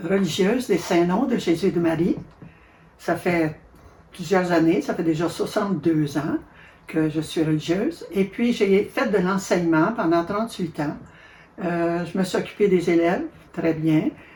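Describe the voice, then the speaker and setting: A woman talks in a fairly low pitch with a dark, mellow, somewhat breathy tone and ordinary pitch variation. Her pace is fairly slow, with long, frequent pauses. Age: 80s+. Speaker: nun, retired teacher. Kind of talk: interview testimony on faith.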